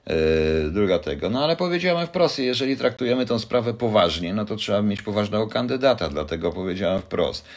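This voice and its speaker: A man's voice: on the low side, expressive, fairly quick, few pauses. An older man hosting a casual live chat, rambling and joking as he answers viewers' questions. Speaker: livestream host answering viewers.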